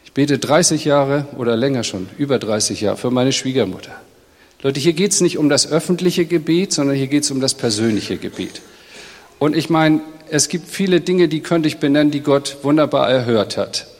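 Speaking at a moderate pace in a medium pitch, this middle-aged pastor delivers his sermon plainly and conversationally, addressing the congregation head-on. He's in a church hall, and its long reverb fills the recording.

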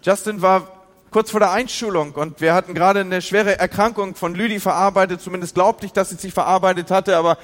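A man preaching as a pastor, moving between loud outcries and quiet, intimate passages. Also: high-pitched, fairly even intonation, fairly quick, big-room sound. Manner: emotional, swings from loud outcries to hushed intimacy. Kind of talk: sermon.

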